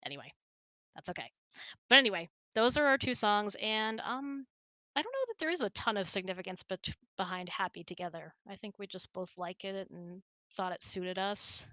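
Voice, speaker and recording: A woman's voice: medium pitch, animated, normal speed, sharp tone, no room sound. A woman hosting, chatting casually and telling personal stories in a conversational way. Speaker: host.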